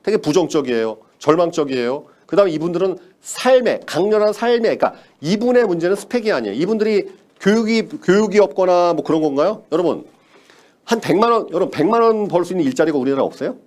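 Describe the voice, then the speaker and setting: Guy lecturing on sales, talks fast, voice jumps all over, keeps repeating his point. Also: sits high, lively intonation, darkish tone. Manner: emphatic, repeats key words, fires rhetorical questions at listeners. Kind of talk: motivational lecture to an audience.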